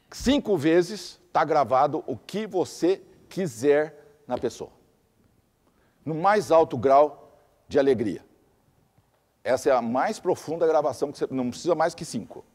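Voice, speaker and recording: A man's voice: fairly high pitch, a little mellow, big-room sound. A man giving a teaching lecture, explaining step by step with lists and repeated examples.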